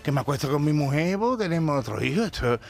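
A man's voice: on the high side, very animated, quick pace, vocal fry, darkish tone, heavily acted. Man doing a flustered, fed-up family man. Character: exasperated married father of many.

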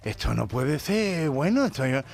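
A man's voice: mid-range voice, big pitch swings, moderate pace, creaky, darkish tone. A man voicing a flustered husband pleading with a doctor in a joke. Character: exasperated married father of many.

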